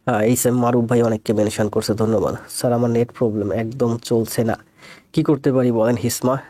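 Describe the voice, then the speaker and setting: A man with a cold, speaking slowly and softly as he greets viewers before his live math class. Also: medium pitch, fairly even intonation. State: has a cold. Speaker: math teacher.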